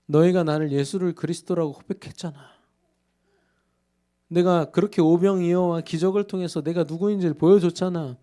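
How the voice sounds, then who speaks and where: A male pastor voicing Jesus, a gentle grown man who tenderly reassures and rebukes his disciples. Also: high-pitched, steady tone, fairly quick, close to an everyday voice. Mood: tender pleading.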